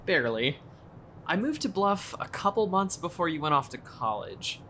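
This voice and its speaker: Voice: mid-range voice, very animated, moderate pace, fairly bright tone, a little hiss or hum. A young adult actor playing a friendly, worried small-town boat owner in an audio drama, speaking in a conversational, earnest way. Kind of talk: naturalistic audio drama acting.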